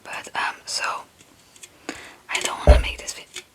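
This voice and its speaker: A young woman from Belgium, a non-native English speaker, whispering a casual, hesitant and meandering ASMR chat in a breathy voice. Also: measured pace, darkish tone. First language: not English. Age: young adult. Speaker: ASMR video creator.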